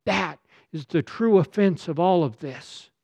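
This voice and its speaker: Man, preacher, sermon, dramatic emphatic delivery, rhetorical questions, very unhurried, dry close sound. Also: fairly high pitch, creaky, a little mellow, no echo. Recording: slightly dull lo-fi recording.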